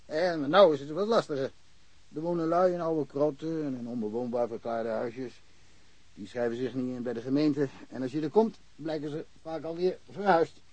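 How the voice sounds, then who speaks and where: A man acting a small-town cop in a radio play, with a slightly high, mellow voice. He rambles in a wry, dryly humorous way, recorded close and dry. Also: no echo, lightly acted, poor audio. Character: chatty, wry small-town policeman, fed up with paperwork. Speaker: actor in a radio crime drama. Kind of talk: naturalistic radio play dialogue.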